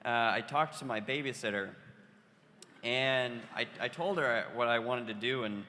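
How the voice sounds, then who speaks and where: A teenage high school student speaking on a panel, hesitant, with many fillers and restarts. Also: male voice, unhurried, sharp tone. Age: teens. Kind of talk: panel remarks. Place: convention hall. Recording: hall reverb, faint noise.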